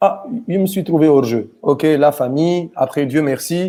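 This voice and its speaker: On a very clean recording with a silent background, a man talks at a fairly slow pace in a dark, mellow tone. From Tunisia. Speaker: rapper, activist. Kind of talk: casual chat. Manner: animated; repetitive filler words.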